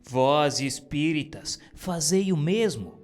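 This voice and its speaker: A man giving a solemn, earnest reading of a religious text, measured and exhorting. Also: a little high, animated. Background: faint music.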